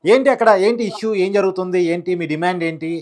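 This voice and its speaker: A man hosts a live news phone interview. He fires off questions very quickly at a medium pitch. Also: darkish tone.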